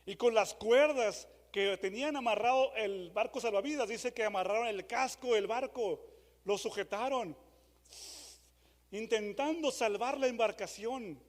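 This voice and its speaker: A man preaching a dramatic sermon, moving from loud re-enacted shouts to hushed questions. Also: sits high, measured pace. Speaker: pastor. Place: church hall. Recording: long church hall reverb.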